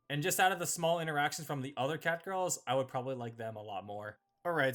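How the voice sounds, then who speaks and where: A casual video host delivers opinionated review commentary with a widely swinging, animated pitch. The voice sits at a middling height, and the phrasing is informal, emphatic and slangy. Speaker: video host ranking visual novel characters.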